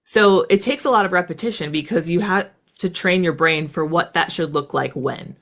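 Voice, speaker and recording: A woman in her thirties from the United States, a guest in an interview, telling stories in a quick, animated way with plenty of "like" fillers. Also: fairly low pitch. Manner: fast, animated, lots of "like" fillers. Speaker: guest, former fighter pilot. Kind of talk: casual storytelling interview.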